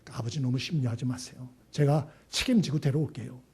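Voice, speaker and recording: A pastor voicing the bitter elder son. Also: male voice, medium pitch, fast talker, heavy background noise, pitched below the performer's own voice, natural voice. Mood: reassuring. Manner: indignant, then soft and reassuring. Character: resentful grown elder son, later dutiful.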